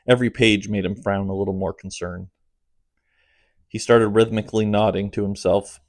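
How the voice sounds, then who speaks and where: Low-voiced man narrating an audiobook. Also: fairly even intonation, moderate pace, darkish tone, no room sound, studio quality. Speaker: author narrating his own audiobook.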